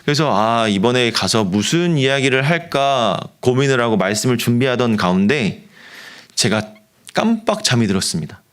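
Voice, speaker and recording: Male pastor, youth sermon, lively swinging pitch, storytelling, acts out quoted voices. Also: moderate pace.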